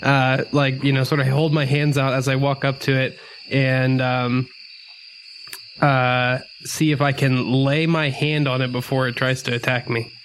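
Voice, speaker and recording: A man chatting casually and haltingly as a player in a tabletop game, with faint night ambience behind. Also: mid-range voice, little pitch movement, a bit bright, slight background noise, poor audio. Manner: halting, hesitant. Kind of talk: casual chat.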